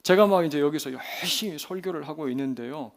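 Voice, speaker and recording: A pastor in a church preaches with a voice set slightly high for a man. He paints the scene vividly for his congregation and keeps asking them questions. His volume rises to near-shouts and drops back down. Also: fairly quick. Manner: vivid storytelling, asks the congregation questions, big swings in loudness. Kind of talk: sermon. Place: church sanctuary during a service.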